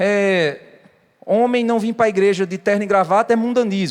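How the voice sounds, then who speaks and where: A man talks rather slowly, his pitch varying in an ordinary way. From Brazil. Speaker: pastor. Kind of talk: sermon.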